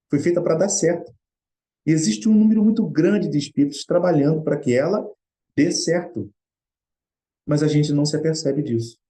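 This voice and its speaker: With a Brazilian Portuguese accent, a middle-aged Brazilian man tells a personal story in a Spiritist study talk, his manner earnest and conversational. His mellow voice is a little high.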